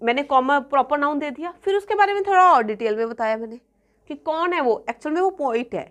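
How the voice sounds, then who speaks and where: A woman's voice: high voice, lively intonation, a bit bright. A woman teaching a grammar lesson, mixing Hindi and English and often checking that students have understood. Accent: Punjabi-influenced Hindi-English. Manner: checks in often with students, repeating examples slowly. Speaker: exam coaching teacher.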